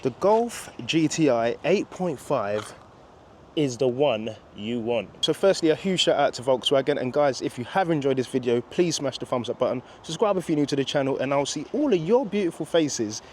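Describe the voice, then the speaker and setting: A man's voice: mid-range voice, animated, moderate pace, darkish tone. Chatty man driving a car. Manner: chatty, enthusiastic, self-joking. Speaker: car reviewer. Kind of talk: casual driving review. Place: inside a car while driving in the wet. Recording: road and rain noise from the car.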